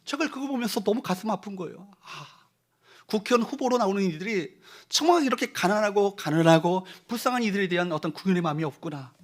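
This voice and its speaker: A man's voice: sits high, lively intonation, fast talker. A male pastor preaching a Sunday sermon in a church, emphatic and full of rhetorical questions to the congregation. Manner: leads congregation in reading verses aloud. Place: church sanctuary.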